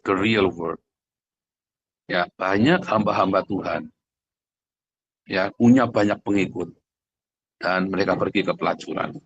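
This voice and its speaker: In a conversational livestream sermon, a pastor preaches bluntly and emphatically, speaking straight to his listeners and posing rhetorical questions. His voice is low-pitched and husky with a fairly bright tone. The recording sounds muffled, with no room sound.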